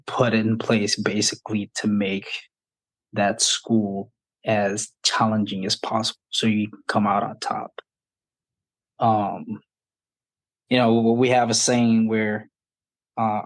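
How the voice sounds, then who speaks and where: A man in his thirties from Ethiopia, talking as a podcast guest. He speaks slowly and evenly, with little rise and fall in his somewhat low voice, and he pauses often to gather his thoughts. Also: poor audio. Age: 30s. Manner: unhurried, thoughtful, restarts often. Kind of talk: casual interview.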